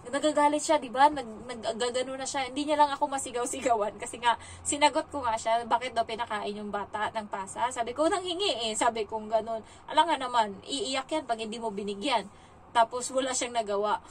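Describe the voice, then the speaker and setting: Woman from the Philippines, young adult, fairly high voice, chatty storytelling vlog, faint background noise. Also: brisk, far from the mic, rough recording. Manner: chatty, animated retelling with many fillers. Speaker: domestic helper vlogger.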